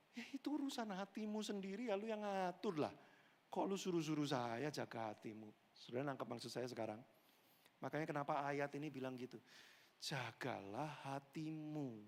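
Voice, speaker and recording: A pastor preaching a lively sermon and acting out the voices of the people in his stories. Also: fairly high pitch, moderate pace. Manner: animated storyteller, switching voices for characters. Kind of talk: lively sermon with acted-out dialogue. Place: large church hall. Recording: long hall reverb.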